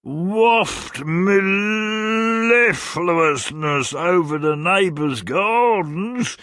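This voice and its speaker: A courtly lovesick old gentleman. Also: on the high side, no room sound, studio quality, pitched above the performer's own voice, exaggerated voice. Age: over 60. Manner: drawn-out, swooping, flowery declamation.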